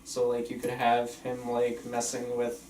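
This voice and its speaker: A man's voice: mid-range voice, monotone, measured pace, a little mellow. Tentative man, distant in an echoey room. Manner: tentative, hedging suggestions. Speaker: participant giving script feedback. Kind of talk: casual chat. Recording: roomy, distant, faint background noise.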